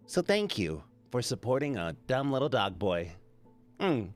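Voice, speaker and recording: A man's voice: medium pitch, very animated, unhurried, soft background music. A man talking playfully and self-deprecatingly to viewers in a stream break segment. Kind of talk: casual break-screen talk to viewers.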